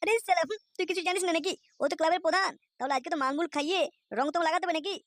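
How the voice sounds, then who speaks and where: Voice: very high voice, rapid-fire, a bit bright. An actor voicing a carefree, boastful, boozy layabout father in a comic cartoon, with a West Bengal accent and slangy, cajoling banter.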